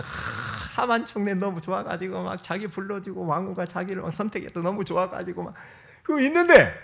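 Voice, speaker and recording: A male pastor preaching a sermon as dramatic storytelling, swinging between whispers and shouts. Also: on the high side, creaky.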